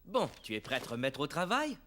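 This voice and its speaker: Lively, patient cartoon dad. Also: male voice, on the high side, fast talker, a little hiss or hum. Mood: encouraging. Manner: gentle, encouraging, playful. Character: kind, patient young father of small children. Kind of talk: children's cartoon dub acting. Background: background music.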